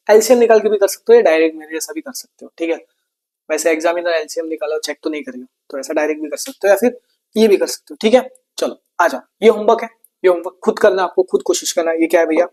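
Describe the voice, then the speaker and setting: A man's voice: high voice, darkish tone. A man teaching an exam-prep science lesson, chatty and playful, asking questions and answering them himself like a student. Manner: chatty, plays both teacher and student in quick back-and-forth.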